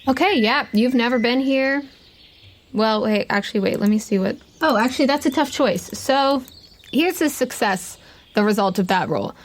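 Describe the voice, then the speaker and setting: A woman's voice: fairly high pitch, normal speed, slight background noise. A woman game master improvising narration for a tabletop roleplaying game in a casual, conversational way. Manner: casual, conversational, uses "like" often.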